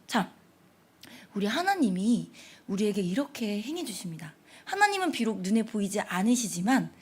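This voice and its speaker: A young woman preaching at a family prayer service, telling a story and acting out the voices of small children. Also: on the high side. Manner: animated, acts out children's voices.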